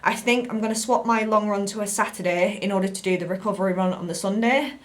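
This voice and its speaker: British female fitness vlogger, mid-pitched, informal and rambling explainer delivery to camera. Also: quick pace. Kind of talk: casual talk to camera.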